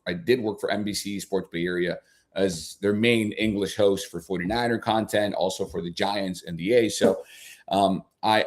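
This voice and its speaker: A man whose first language is Spanish, a soccer broadcaster chatting as a guest on a radio show, talking in halting phrases with many restarts. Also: fairly low pitch. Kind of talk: casual radio chat.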